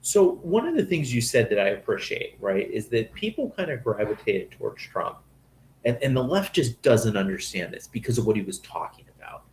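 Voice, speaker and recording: A man's voice: medium pitch, very animated, brisk, slight background noise, low-quality recording. A man hosting a podcast, asking long, chatty questions full of fillers. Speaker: podcast host. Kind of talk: casual interview questions.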